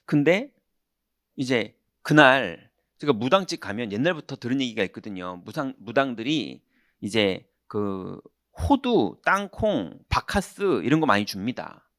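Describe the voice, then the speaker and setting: A man preaching as a pastor, telling a personal story in an animated way and acting out the people in it. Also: medium pitch, measured pace, dry recording, studio quality. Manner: animated, acts out quoted voices, shouts punchlines. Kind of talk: sermon with storytelling. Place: church sanctuary.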